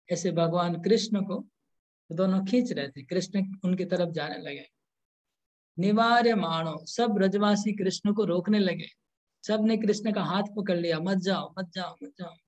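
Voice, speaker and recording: A man giving a scripture lecture, explaining slowly in short pieces with restarts, and chanting verses. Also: high-pitched, a little mellow, rough recording. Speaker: spiritual lecturer.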